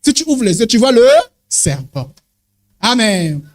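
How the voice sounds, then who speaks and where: A man preaching an animated sermon as an apostle, exclaiming and calling "amen, amen" to the congregation, swinging his pitch up and down for emphasis. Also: a little slow. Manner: swings sharply between high and low pitch for emphasis.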